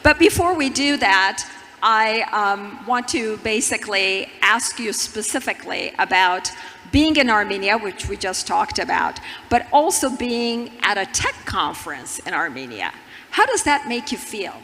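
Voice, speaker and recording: A woman's voice: mid-range voice, very animated, a little slow, sharp tone. A woman from Turkey moderating an onstage conference chat, eager and prodding, stumbling over restarts. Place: large conference hall stage. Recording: reverberant hall with audience noise.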